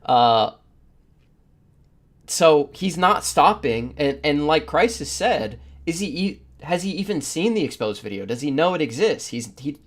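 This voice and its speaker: A man's voice: a little high, sing-song, unhurried. A man co-hosting a podcast, talking casually in a discussion. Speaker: podcast co-host.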